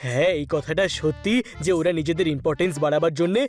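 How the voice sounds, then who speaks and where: A performer playing an earnest, fair-minded cartoon pet who gently moralises with reproach. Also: mid-range voice, quick pace, soft background music, natural voice. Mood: reproachful. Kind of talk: animated cartoon voice acting in Bengali.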